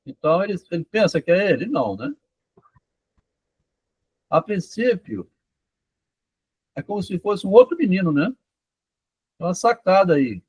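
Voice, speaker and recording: A husky man with a slightly high voice chats at length in a casual, meandering way, often tagging his sentences with little checks to the listener. The sound is dry and close, with no room around it. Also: big pitch swings, moderate pace, long pauses, a little mellow, no room sound, poor audio. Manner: rambling, frequent "tá?" and "né?" checks. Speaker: author discussing his doctoral thesis. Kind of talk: casual conversation about psychoanalysis and literature.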